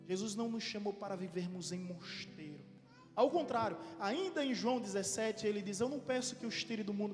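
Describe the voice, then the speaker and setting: A man's voice: high-pitched, a little mellow, long reverb tail. A man preaching a sermon as a pastor, emphatic and punchy, with rhetorical questions to the congregation. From Brazil.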